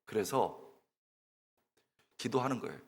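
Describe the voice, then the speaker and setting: A man's voice: mid-range voice, expressive, unhurried, slightly rough, long reverb tail. A middle-aged man preaching a sermon to a congregation, telling stories and asking them questions directly. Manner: storytelling, shouts and wails while acting out his own tearful prayer. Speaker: pastor, guest preacher. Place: church sanctuary.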